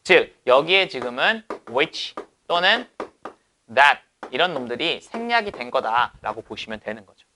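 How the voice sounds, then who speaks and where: Lively, bright-voiced male teacher. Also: mid-range voice, measured pace, slight background noise. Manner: asks rhetorical questions and answers them. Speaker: English teacher. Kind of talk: lecture explaining exam passages.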